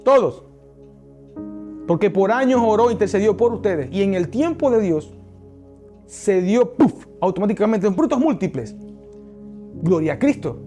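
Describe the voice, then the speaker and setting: A man's voice: sits high, expressive, a little slow, long pauses, dark tone, faint music behind. A male pastor preaching a sermon, emphatic and speaking straight to his congregation.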